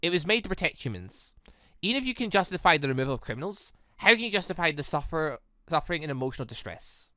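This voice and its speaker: Game role: earnest, insistent young challenger, read by a let's play host, probing questions, bright and animated. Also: medium pitch, fast, no echo. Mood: indignant.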